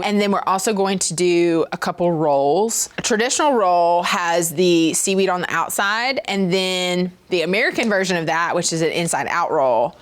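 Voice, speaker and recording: Casual host: young woman, lowish voice, chatty and excitable, demoing food prep, faint music underneath. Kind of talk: casual cooking demonstration.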